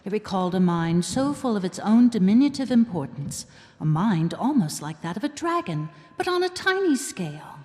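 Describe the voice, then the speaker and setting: A woman's voice: medium pitch, big pitch swings, moderate pace, darkish tone, natural voice. A woman performing as a wry, arch narrator in a live audio play, with theatrical delivery. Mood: dramatic. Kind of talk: dramatic scripted narration. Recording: live hall reverb, music behind.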